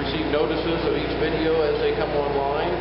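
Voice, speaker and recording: A man talks at a moderate pace with ordinary pitch variation. Loud background noise and audible room echo fill the recording. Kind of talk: informal guided tour talk. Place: factory. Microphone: camera far.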